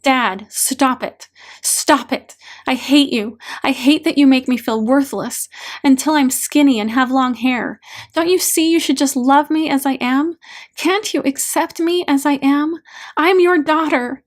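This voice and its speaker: A woman narrator performs a hurting daughter in a dramatized therapy story. The voice sits fairly high and frays into fry, emotional and pleading, full of wounded feeling. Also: slow pace, darkish tone, full character voice. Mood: angry, anguished. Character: hurting daughter pleading with and raging at her father.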